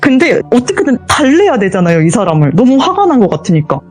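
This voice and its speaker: A woman's voice: on the high side, sing-song, fast, darkish tone, faint music behind. A woman telling her own true ghost story as a guest, vividly acting out the voices in it.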